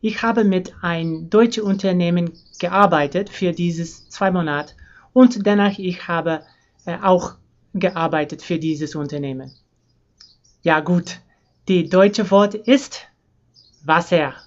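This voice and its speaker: An American woman, a young adult whose first language is English, talks casually through a home vlog and names household words one by one in a plain, unhurried way. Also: lowish voice, highs cut off. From United States. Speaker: language learning vlogger. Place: her room and house.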